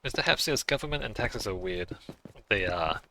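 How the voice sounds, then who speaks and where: A man's voice: fairly low pitch, expressive, moderate pace, gravelly, bright, forceful tone, a little hiss or hum. A man who is not a native English speaker, chatting casually on a game livestream, thinking aloud and musing with small laughs.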